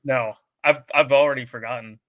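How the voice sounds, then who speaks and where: A man co-hosting a casual sports podcast who recounts games in a measured, play-by-play way. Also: mid-range voice, fairly even intonation, muffled recording. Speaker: podcast co-host.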